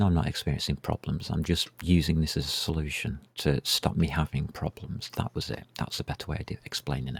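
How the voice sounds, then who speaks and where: A man's very deep, low voice with vocal fry, at a fairly quick pace with hardly any pauses. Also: dry, close sound with no echo. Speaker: game programming streamer. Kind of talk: live coding stream. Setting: live stream. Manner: monotone.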